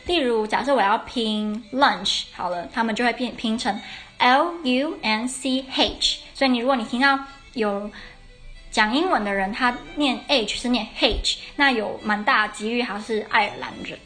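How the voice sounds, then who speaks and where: A woman's voice: on the high side, normal speed, fairly bright tone. Chatty young woman teaching. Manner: chatty, explains step by step, corrects herself mid-sentence. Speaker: podcast host. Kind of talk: casual podcast lesson. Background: faint traditional Irish music.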